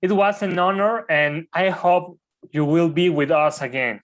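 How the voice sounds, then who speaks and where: A man with a Mexican accent, a student thanking a guest on a video call in a halting, earnest way. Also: a little high. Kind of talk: polite thanks.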